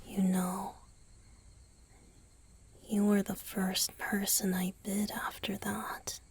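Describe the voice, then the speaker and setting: A woman voicing a gentle, guilt-ridden young male vampire boyfriend in an ASMR roleplay, breathy and whispery, with a hesitant, tender, confessional manner. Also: medium pitch, full character voice. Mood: ashamed, fearful.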